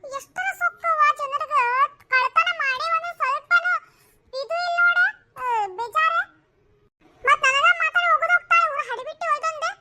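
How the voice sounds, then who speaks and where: A voice actor playing an indignant village woman in a cartoon comedy, speaking with a North Karnataka accent and scolding loudly. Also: very high voice, moderate pace, exaggerated voice. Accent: North Karnataka Kannada. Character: shrill village woman whose sandals were stolen.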